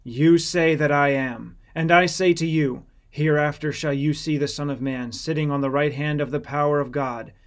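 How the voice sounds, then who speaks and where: Man acting a calm, resolute holy teacher. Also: a little high, normal speed, few pauses, close to an everyday voice. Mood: calm, firm. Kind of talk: dramatized scripture audiobook reading.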